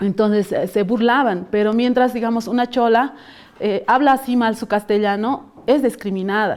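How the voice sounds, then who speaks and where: Speaking at a moderate pace, a woman has a fairly high pitch and fairly even intonation. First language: Aymara (speaking Spanish). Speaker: radio broadcaster and feminist activist. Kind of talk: interview.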